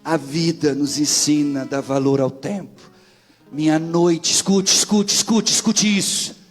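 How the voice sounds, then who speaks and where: A Brazilian man preaching as a pastor, telling stories with animation and rising into shouts. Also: on the high side, measured pace, soft background music. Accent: Brazilian Portuguese. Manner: animated storytelling, swings into shouting climaxes. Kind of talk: sermon.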